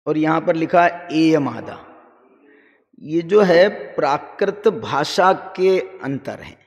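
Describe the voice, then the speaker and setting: A man giving a discourse on Jain scripture at an ashram, chanting verses slowly and teasing his listeners with jokes. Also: a little high. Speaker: scripture teacher. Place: ashram hall. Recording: long hall reverb.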